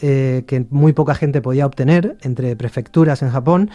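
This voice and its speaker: A middle-aged man from Argentina answers interview questions in an unhurried, hesitant way, full of fillers and restarts. His voice is mellow and soft-edged, recorded dry and close with no room around it. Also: mid-range voice, dry recording, dull audio, soft background music. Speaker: interview guest, shakuhachi musician. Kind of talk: relaxed conversational interview.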